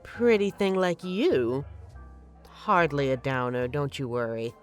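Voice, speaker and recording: A woman's voice: a bass voice, lively intonation, takes it slowly, soft background music, heavily acted. A woman playing a flirty, teasing but caring bartender in an intimate, conversational audio roleplay. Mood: flirty, reassuring. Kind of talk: intimate scripted roleplay, ASMR-like.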